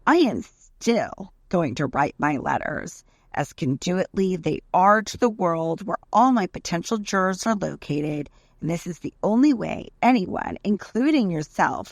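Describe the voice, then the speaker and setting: A woman's voice: fairly low pitch, animated, vocal fry, dry recording, studio quality, heavily acted. A woman giving a dramatic reading as an aggrieved, desperate defendant, indignant and emphatic as she pleads her case in a letter. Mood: formal, aggrieved. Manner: indignant, emphatic, deliberate list-like delivery.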